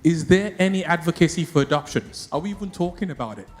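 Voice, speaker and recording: Canadian guy in the audience pushing a tough question, slightly high voice, echoey hall. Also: lively intonation, fast talker, faint music behind. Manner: questioning, probing. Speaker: audience member. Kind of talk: conference Q&A question.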